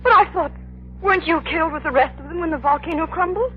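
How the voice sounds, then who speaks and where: A woman's voice: extremely high pitch, fast talker, slight background noise. An actress playing a frightened young woman in a 1930s radio drama, crying out urgently. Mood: bewildered. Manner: urgent, fearful cries. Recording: dull lo-fi 1930s radio recording.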